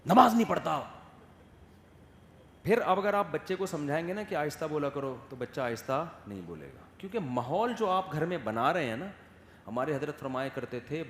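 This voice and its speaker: A male Islamic scholar giving a religious lecture, moving between loud emphatic points and soft acted asides, often asking listeners if they follow. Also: fairly high pitch. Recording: echoey hall with long reverb and faint noise.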